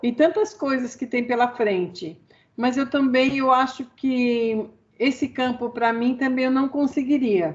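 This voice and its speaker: Delivery runs at a fairly slow pace. The pitch variation is ordinary. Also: woman, high pitch for a woman. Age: 60s. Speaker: seminary student. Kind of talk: class discussion.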